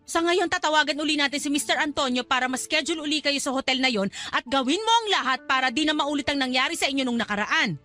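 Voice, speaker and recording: A woman's voice: high voice, fast, hardly any pauses, sharp tone, faint music behind. An actress playing a scheming middle-aged mother in a radio drama, coaxing and insistent as she persuades her daughter.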